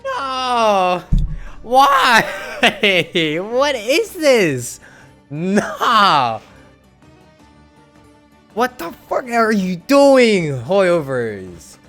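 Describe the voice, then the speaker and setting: A young man commenting live on a game, his bright voice lively and swinging as he jokes. Game music plays faintly under him. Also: high-pitched, extremely slow, long pauses. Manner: loud, sarcastic and swearing. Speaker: streamer.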